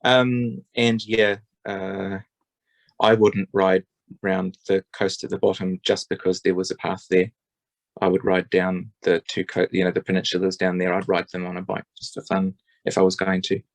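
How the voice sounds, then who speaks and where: A man's voice: deep voice, little pitch movement, moderate pace, no echo. A man giving a rambling, hesitant spoken submission at a public forum, with many ums and restarts. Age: adult parent.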